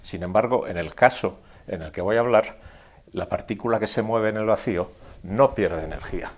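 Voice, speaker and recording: A man giving a didactic science explanation as a lecturer, deliberate and step by step, posing rhetorical questions. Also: lowish voice. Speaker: physics lecturer explaining at a board.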